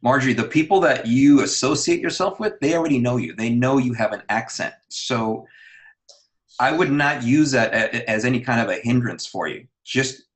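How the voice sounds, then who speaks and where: A man's voice: mid-range voice, normal speed. A man on a panel giving casual advice in an encouraging, reassuring manner.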